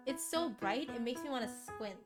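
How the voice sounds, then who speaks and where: A woman livestreamer reading a visual novel aloud in an animated way, with casual asides. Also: a little high, moderate pace. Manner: animated, reacts and questions aloud as she reads. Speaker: game streamer. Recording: background music under the voice. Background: music.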